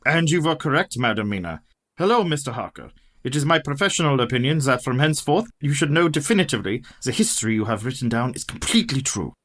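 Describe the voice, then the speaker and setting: An actor in a radio play playing a learned, gentle and grave elderly professor who speaks in a formal, measured way. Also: male voice, mid-range voice, animated. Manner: formal, courtly, measured speech.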